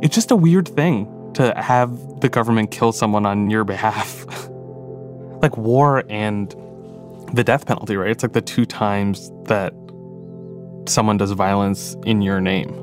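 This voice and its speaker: A man's voice: on the low side, a little slow, soft background music. A man, a podcast producer, narrating a story in a casual, reflective way with frequent fillers.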